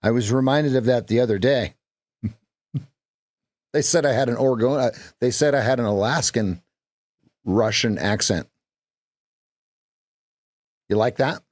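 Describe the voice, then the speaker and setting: A man's voice: mid-range voice, a little slow, long pauses, no room sound, clean studio sound. A man hosting a live day-trading stream, chatting with viewers and repeating phrases as he watches the market.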